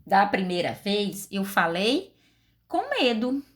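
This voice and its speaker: A woman teacher with a Brazilian Portuguese accent speaks slowly and deliberately, her pitch rising and falling widely. She walks her pupils through each step and keeps asking them questions. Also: big pitch swings, fairly bright tone. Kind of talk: recorded class lesson.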